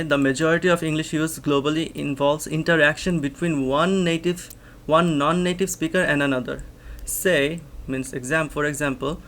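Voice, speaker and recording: A man's voice: on the high side, fairly bright tone. A young Bangladeshi man with a Bangladeshi accent, a native Bangla speaker, reading a research paper aloud and explaining it line by line, thinking aloud with frequent restarts and rhetorical "right?"s. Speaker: English teacher and channel host.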